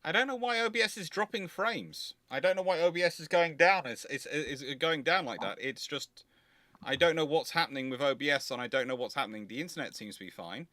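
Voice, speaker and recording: A man's voice: on the high side, fairly quick, bright, forceful tone, dry recording. A man hosting a livestream, chatting casually as he explains and answers questions in an emphatic, rambling way. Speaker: host of a naval history question livestream.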